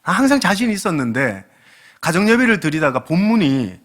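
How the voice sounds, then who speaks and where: A pastor in his late forties preaching a sermon, his voice swinging widely up and down as he tells stories. He is animated and humorous, slipping into other people's voices as he talks. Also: a little high, fairly quick. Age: late 40s. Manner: animated, humorous storytelling that acts out quoted dialogue. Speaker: guest pastor.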